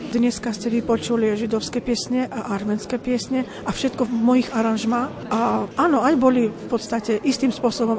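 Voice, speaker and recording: Over noticeable background noise, a woman with an Armenian accent and a fairly high pitch speaks at a fairly slow pace in a monotone, flat intonation. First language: Armenian (speaking Slovak). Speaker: pianist, singer and composer. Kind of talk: radio interview.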